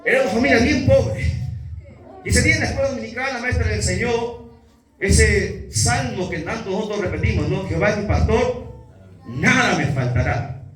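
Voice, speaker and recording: Guy preaching, high voice, shouts then goes real quiet, echoey hall. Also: moderate pace, faint music behind. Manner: impassioned, swings from shouts to near whispers. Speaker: evangelist preacher. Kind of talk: preaching sermon at a convention. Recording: echoey hall, mic from a distance.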